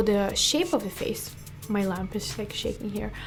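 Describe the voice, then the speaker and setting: With music in the background, a woman with a non-native accent speaks fairly quickly at a fairly high pitch. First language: not English. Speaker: digital artist, art YouTuber. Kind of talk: casual commentary. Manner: casual, hesitant with many fillers.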